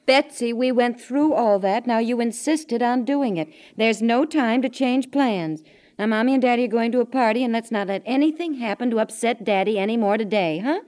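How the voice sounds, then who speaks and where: A woman's voice: fairly high pitch, normal speed, a little mellow, lightly acted. An actress playing a busy, patient wife and mother in natural, conversational 1950s radio comedy style. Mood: firm, patient. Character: busy, patient young housewife and mother, gently hurrying everyone.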